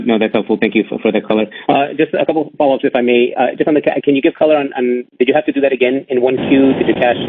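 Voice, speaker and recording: A man asking questions as an analyst on a business call, polite, with a halting, hesitant delivery. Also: mid-range voice, noisy background. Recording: narrow, tinny phone line, dry.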